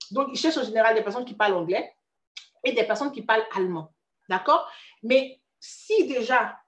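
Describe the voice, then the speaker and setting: Ivorian woman career coach, chatty and direct, higher voice, echoey room. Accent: Ivorian French. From Ivory Coast. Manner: chatty, addresses listener as tu, frequent restarts. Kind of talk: casual motivational talk.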